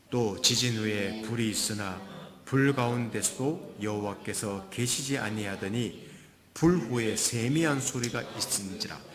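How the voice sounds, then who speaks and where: A man preaching a sermon as pastor, moving between loud emphasis and soft whispers and acting out quoted voices. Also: mid-range voice. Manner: acts out quoted voices of God and Elijah.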